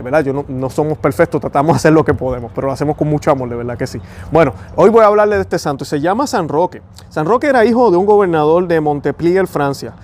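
A man's voice: a little high, a little mellow. A Puerto Rican man with a Puerto Rican accent, hosting a Catholic video with earnest devotional talk and prayer. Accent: Puerto Rican Spanish. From Puerto Rico. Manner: fast-talking, earnest, prayerful.

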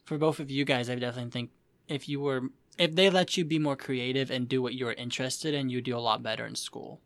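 A man's voice: mid-range voice, fairly even intonation, quick pace, fairly bright tone, no room sound. A man whose first language is Dutch, co-hosting a podcast in an easygoing, rambling chat full of fillers. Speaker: podcast co-host.

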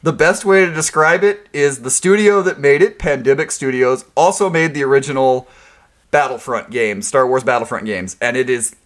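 A man's voice: medium pitch, moderate pace, a bit bright. A man co-hosting a casual gaming podcast, rambling and restarting his sentences. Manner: rambling, frequent restarts and fillers. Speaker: podcast co-host.

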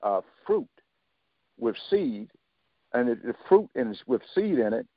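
A man's voice: medium pitch, very animated, no echo. Older man on a tinny phone line. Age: 70s. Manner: halting, many fillers and restarts; storytelling, quoting others in dialogue. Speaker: guest. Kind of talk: interview on a talk radio show.

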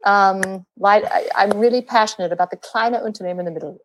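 A woman's voice: medium pitch, a little fast, rough recording. A woman in her late forties with an American accent in German, a native English speaker talking conversationally as an interview guest, with learner's grammar and switches into English phrases. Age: late 40s. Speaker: guest, sales and positioning coach.

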